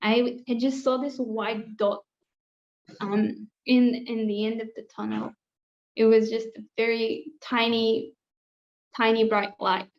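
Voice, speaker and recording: A woman from Kazakhstan telling a personal story as an interview guest, earnest and halting, on a slightly dull recording. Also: on the high side, flat delivery, creaky. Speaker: podcast guest.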